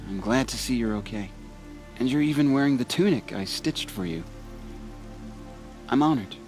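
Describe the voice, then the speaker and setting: An actor playing a humble, earnest young tribal stitcher in a video game, soft-spoken, sincere and a little hesitant. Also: male voice, medium pitch, expressive, unhurried, pauses often, soft background music, close to an everyday voice. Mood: relieved, modest. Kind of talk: video game cutscene acting.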